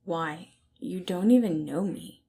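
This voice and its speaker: A sullen, guarded man as a woman reads him, in a fairly low register. He talks curtly and warily, giving ground only grudgingly, as a character in an audio story. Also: slow pace, warm tone, breathy edge, heavily acted. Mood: grudging, reluctant. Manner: curt, wary, grudging.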